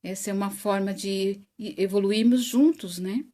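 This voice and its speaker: Leading an online spiritist study over livestream, this Brazilian Portuguese-accented woman talks casually, laughs often and welcomes viewers individually by name. She speaks at a normal speed with a medium pitch and mentions that her voice is very loud.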